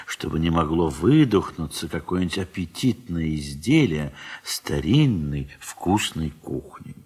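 A man with a deep, roughened voice narrates classic prose for an audio play. His delivery is measured and scripted, that of a storyteller.

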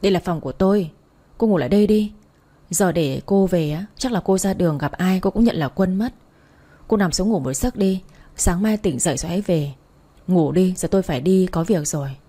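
A woman's voice: fairly low pitch, a little fast, dark tone, natural voice. A woman voicing a brusque, impatient young man who runs a bar, talking in a curt, scolding way. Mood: exasperated.

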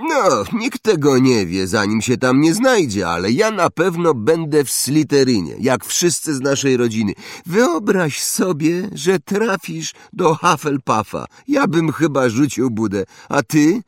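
A man's voice: fairly high pitch, very animated, a little slow, hardly any pauses, no room sound, studio quality, pitched above the performer's own voice. A man voicing an arrogant, snobbish young wizard boy who boasts and mocks. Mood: boastful. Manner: boastful, mocking.

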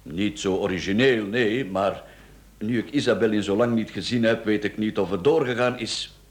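A Flemish man acting in a radio play as a smooth-talking, cheeky rogue, glib, flippant and teasing. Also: fairly low pitch, normal speed, close to an everyday voice. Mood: mocking. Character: smooth-talking, cheeky male rogue, a performer under questioning. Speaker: radio drama actor.

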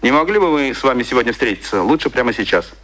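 Quick, businesslike man on the phone. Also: mid-range voice, lively intonation, a bit bright, low-quality recording. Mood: brisk, matter-of-fact. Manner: clipped, formal, matter-of-fact. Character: brisk, businesslike male agency boss phoning. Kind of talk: audio drama phone dialogue.

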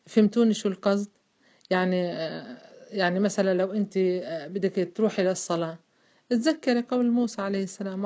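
A woman's voice: mid-range voice, a little mellow. A woman with a Levantine Arabic accent giving a casual religious lesson to women. She often checks whether her listeners follow her. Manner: fast, conversational, often asks listeners if they follow. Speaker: religious teacher. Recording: dull lo-fi recording.

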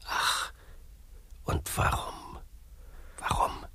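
An actor in a satirical radio play, playing a worldly, scheming Catholic priest with an unctuous, paternal, probing manner. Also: male voice, drawn-out words, sharp tone, dry recording, whispered. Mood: stern, probing.

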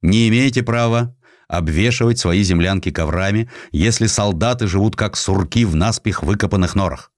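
A man's voice: on the low side, normal speed, no echo, clean studio sound, lightly acted. A man voicing a decisive, demanding army commander, giving orders in emphatic phrases in a dramatised historical story. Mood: stern.

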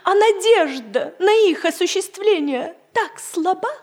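A woman's voice: extremely high pitch, animated, measured pace, a little mellow, heavily acted. Flustered mother. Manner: theatrical, laughing, exclamatory. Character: flustered widowed mother hoping to remarry. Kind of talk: 1960s Soviet radio comedy acting.

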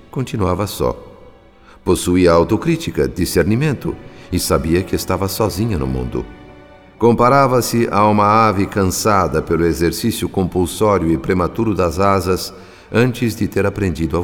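A man's voice: low voice, long reverb tail. A male narrator reading a radio drama in a dramatic, lyrical manner.

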